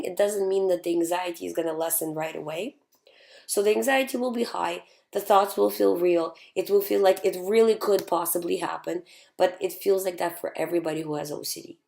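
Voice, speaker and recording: A woman hosting a live show and answering viewer questions in a calm, reassuring way, her voice still hoarse from having lost it. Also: medium pitch. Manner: calm, reassuring, repeats key points. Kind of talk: casual advice talk.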